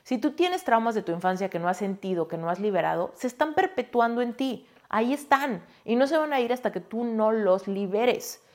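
A woman with a Mexican Spanish accent, a spiritual coach telling a personal story in a candid, expressive way and speaking straight to the listener. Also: fairly high pitch, fairly quick, hardly any pauses.

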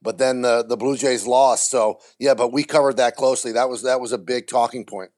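A man's voice: mid-range voice, fairly even intonation, brisk, darkish tone. A man speaking as an interview guest, candid and blunt, with vivid comparisons. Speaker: baseball TV play-by-play announcer, guest.

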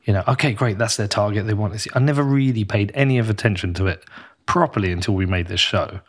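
A man's voice: fairly low pitch, fast talker. A man hosting a podcast, chatting enthusiastically and often restarting his sentences. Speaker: podcast host. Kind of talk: casual podcast conversation.

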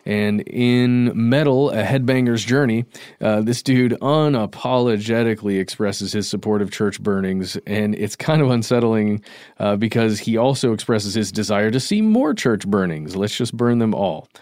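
Low smooth-voiced male podcast co-host. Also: expressive, moderate pace, darkish tone, no room sound, studio quality. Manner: thoughtful, qualifying his points. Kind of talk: casual discussion.

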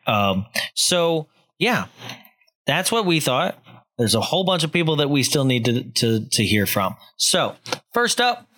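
A man hosts a laid-back movie podcast, rambling through his thoughts with plenty of filler words. His voice sounds bright and forward. His pitch sits in an ordinary middle range. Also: big pitch swings, measured pace. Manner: loose and rambling, lots of fillers and likes. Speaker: podcast host reviewing films. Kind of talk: casual chat.

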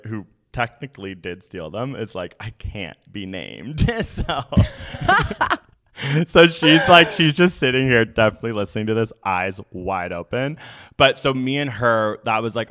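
Animated Canadian man, laughing as he talks. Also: fairly low pitch, moderate pace. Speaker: guest. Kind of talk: casual chat.

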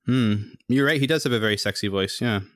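A young man co-hosting a podcast, rambling casually with a slightly monotone, humming voice. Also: fast, dry recording, studio quality. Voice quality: somewhat monotone, humming low resonance. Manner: rambling, thinks aloud with many fillers. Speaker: podcast co-host. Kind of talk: casual chat.

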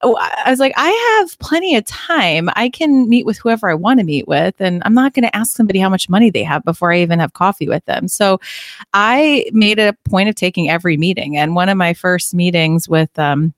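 A woman in her forties, a company founder telling her story as a podcast guest, lively and quick to laugh. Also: mid-range voice, dry recording, clean studio sound. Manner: lively, laughs easily, conversational. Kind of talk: interview storytelling.

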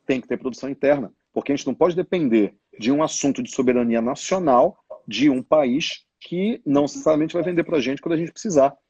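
A man's voice: mid-range voice, a little fast, darkish tone, breathy edge, no echo, muffled recording. A man talking business trends in a casual, emphatic way, often voicing what others might think. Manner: colloquial, emphatic, acts out others' thoughts. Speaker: business educator.

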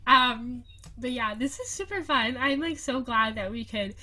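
A woman's voice: on the high side, expressive, a little slow, bright, forceful tone. A young woman hosting a podcast, chatting casually and giggling often, with plenty of fillers. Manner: giggly, bubbly, lots of fillers. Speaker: podcast host. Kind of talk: casual chat. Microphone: video call recording.

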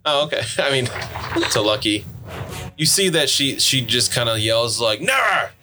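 A man's voice: mid-range voice, normal speed, over music. A man running a tabletop game as game master, teasing his players and laughing often.

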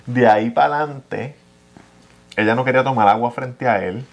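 A man with a Puerto Rican accent, a guest chatting casually outdoors in a park, telling animated stories, laughing often and swearing casually. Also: medium pitch, normal speed. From Puerto Rico. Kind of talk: casual chat.

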